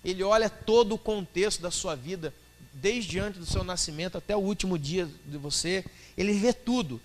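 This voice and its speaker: A man's voice: high voice, normal speed. Sex: man. Role: pastor. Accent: Brazilian Portuguese. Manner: colloquial, acts out dialogue. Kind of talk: sermon.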